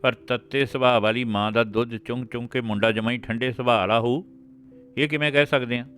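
A man voicing an older village grandfather in an audiobook, worried and earnest, raised well above his usual pitch. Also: steady tone, a little fast, a bit bright, soft background music, natural voice. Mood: earnest deliberating.

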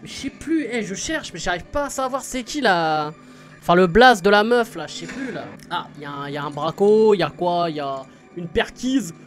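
High-voiced man in slangy reaction chatter. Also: expressive, moderate pace, soft background music. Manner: slangy and rambling, addresses viewers as "bro". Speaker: YouTuber reacting to a music video. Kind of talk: casual reaction commentary.

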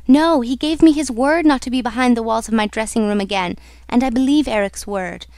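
A woman's voice: on the high side, brisk, darkish tone, no room sound, close to an everyday voice. A woman voicing a fearful, earnest young female opera singer in a dramatic, pleading manner for a storybook.

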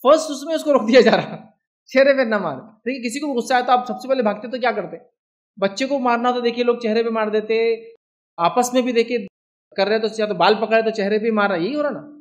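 Speaking fast in an extremely high pitch, a man with an Indian Hindi-Urdu accent gives an Islamic religious lecture. He keeps things conversational and keeps asking his audience "do you understand?"

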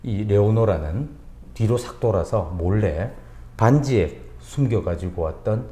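A man retelling an opera's story in a lively way, acting out the characters' lines as he goes. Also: fairly low pitch, unhurried. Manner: animated, acts out characters' lines in quotes. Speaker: music critic guest. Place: coffee bar. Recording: roomy echo.

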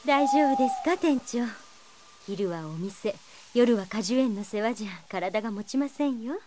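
A woman playing a polite but sly, sharp-tongued young waitress in an anime audio drama. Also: fairly high pitch, animated, moderate pace, slight background noise, close to an everyday voice. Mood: cheerful, concerned. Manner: honeyed politeness with barbed asides. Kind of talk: Japanese anime-style audio drama acting.

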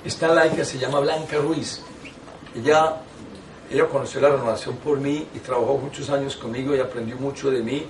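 An older man, a priest, teaching a lay audience in a small meeting room, telling stories with lively asides and restarts. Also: medium pitch, brisk, recorded from a distance, slight background noise. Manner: animated storytelling with frequent asides and restarts. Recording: echoey room, taken from afar.

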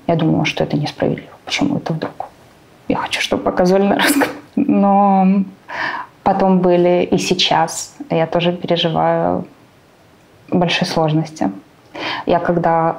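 Woman interviewee, lowish flat voice, measured and reflective.

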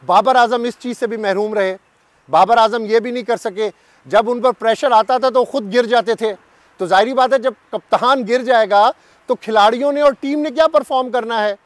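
Emphatic Pakistani man, high-pitched, dry. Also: normal speed, no echo. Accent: Pakistani Urdu. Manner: emphatic, repetitive, lecturing. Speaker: cricket journalist. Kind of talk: direct-to-camera commentary. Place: sunny garden outdoors.

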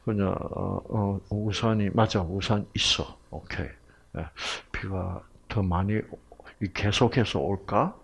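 A man's voice: lowish voice, takes it slowly, creaky, slightly rough. A man with a Gyeongsang Korean accent giving a humorous lecture to an audience as a health program lecturer, telling jokes like a storyteller and asking the audience questions.

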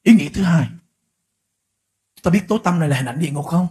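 A man preaching a sermon as pastor, swinging from quiet, slow stretches to loud, shouted peaks. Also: a little high, lively intonation, slightly rough. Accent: Vietnamese.

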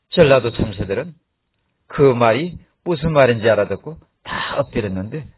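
Husky man telling a comic story. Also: mid-range voice, dry recording, narrow, tinny audio. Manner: animated, playful joke-teller. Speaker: vlogger telling a joke. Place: outdoors by a road.

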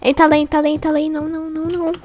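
A young Brazilian woman hosts a gaming channel, giving casual let's-play commentary in a high, very fast voice with a Brazilian Portuguese accent. Excitable and scared, she lets out frightened exclamations and makes chatty asides to her viewers. There is background noise.

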